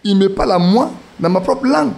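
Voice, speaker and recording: Male preacher, high-pitched, sermon storyteller. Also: expressive, fairly quick, creaky, a little mellow. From Ivory Coast. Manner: storytelling with acted quotes, restarts.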